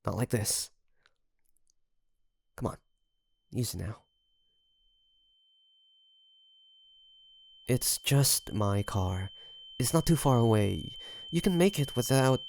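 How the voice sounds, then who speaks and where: A man playing a secretly obsessive best friend in an intimate audio roleplay, coaxing and hesitant, with sighs and pauses. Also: medium pitch, lively intonation, gravelly, a little mellow, slight background noise. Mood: feigned worry.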